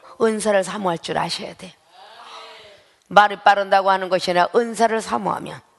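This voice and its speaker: Her tone animated, a woman speaks with ordinary pitch variation. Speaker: pastor. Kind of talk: sermon. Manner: fast.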